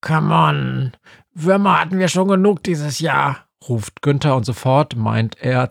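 A man narrating an audiobook in a calm, measured way, recorded on a close studio mic. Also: mid-range voice, dry recording. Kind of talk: scripted narration.

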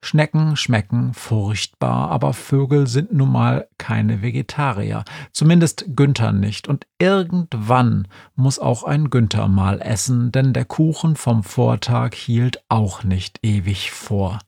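A man narrating a children's audiobook in a wry, deadpan storytelling manner. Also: mid-range voice, takes it slowly, gravelly, few pauses, dry recording, studio quality.

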